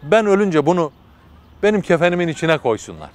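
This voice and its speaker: A man's voice: fairly high pitch, big pitch swings, a little fast. A man voicing a poor, naive, pious weaver who speaks in a humble, pleading way. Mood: humble, earnest.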